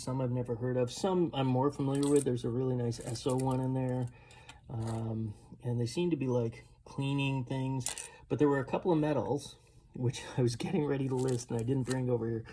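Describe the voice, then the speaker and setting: A man's voice: medium pitch, fairly even intonation, normal speed, warm tone. An older man giving a casual, unscripted show-and-tell of secondhand finds, rambling and self-deprecating as he goes. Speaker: collectibles reseller showing a garage sale haul. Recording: clearly noisy home recording with clicks.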